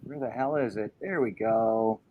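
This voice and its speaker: A man's voice: fairly low pitch, moderate pace, dry recording, narrow, tinny audio. A man hosting a comedy livestream in a loose, chatty way with many fillers. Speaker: host.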